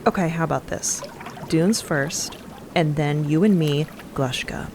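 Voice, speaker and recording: An actress playing a fond, reassuring wife in an audio drama, speaking gently and conversationally. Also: female voice, low voice, measured pace, noisy background. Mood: eager. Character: Mickey, fond, reassuring woman, adventurous spouse. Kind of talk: audio drama acting and narration.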